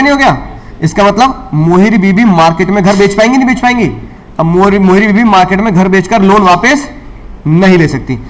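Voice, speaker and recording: High-voiced man lecturing a class. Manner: asks the class questions and answers them himself, repeats key lines; mixes English legal terms into Hindi. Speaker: law lecturer.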